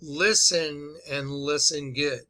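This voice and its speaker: This is an American man with a high, piercing and intense voice. He takes his time, leaning hard on words as he comments. His manner is folksy, urgent and commanding. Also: fairly even intonation, slow, bright, forceful tone. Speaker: online commentator. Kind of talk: impassioned commentary on a played clip.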